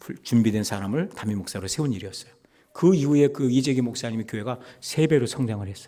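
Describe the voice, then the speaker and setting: At a very fast pace, a man speaks with lively intonation, big swings in loudness, a medium pitch and a dark, mellow tone. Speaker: pastor and seminary president. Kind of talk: sermon. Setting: church.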